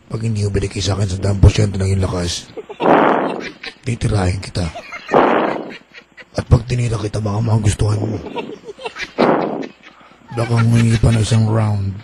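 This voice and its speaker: Young man doing a deep, menacing tough-guy voice, threatening, heavy noise behind. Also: level tone, normal speed, long pauses. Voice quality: deep, gravelly. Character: menacing tough-guy brawler, male, adult.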